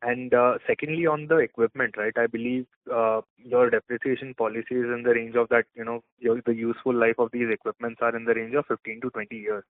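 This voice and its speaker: Indian-accented male analyst, flat phone voice. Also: mid-range voice, a little fast, hardly any pauses, dry recording. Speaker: analyst asking questions. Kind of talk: conference call questioning, conversational. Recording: dry, tinny phone line.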